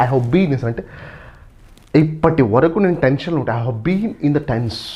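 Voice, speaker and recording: This man's voice sits fairly high and sounds somewhat breathy, with a dark, mellow tone. His intonation is lively. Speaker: spoken English teacher. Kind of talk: bilingual Telugu-English lesson. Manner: repetitive drilling.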